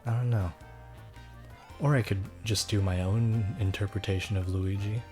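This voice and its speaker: A man's voice: lowish voice, steady tone, moderate pace, mellow, faint music behind. A man rambling casually and swearing as he records a let's play. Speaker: let's player.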